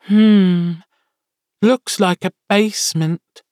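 A small, loyal demon familiar, squeaky and high, eager. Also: male voice, fairly even intonation, very slow, darkish tone, dry recording, studio quality.

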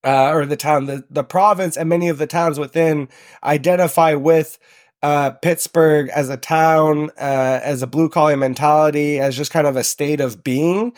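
A young man from Southern Ontario, a podcast guest telling stories in a relaxed way, with plenty of ums and uhs. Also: on the high side, normal speed. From Southern Ontario, Canada. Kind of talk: casual interview chat.

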